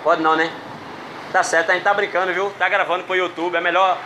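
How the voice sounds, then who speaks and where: A man hosting a street prank video, talking quickly and insistently as he presses strangers. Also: high-pitched, flat delivery, bright, forceful tone. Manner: insistent, pleading, fast-talking. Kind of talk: street prank, persuasive chatter. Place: outdoors on a city street. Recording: street noise from passing cars. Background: traffic noise.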